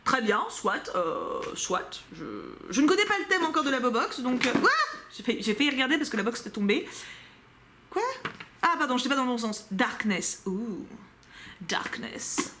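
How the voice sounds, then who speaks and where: A young woman with a French accent, chatting casually to her viewers as she unboxes a subscription box, giggling and breaking into quick asides. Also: sits high, big pitch swings, sharp tone.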